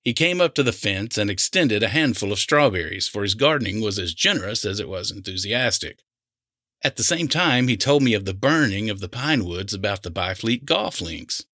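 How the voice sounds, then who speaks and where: A man's voice: lowish voice, animated, normal speed, sharp tone, no room sound, clean studio sound. A man reading fiction aloud as a scripted audiobook narrator.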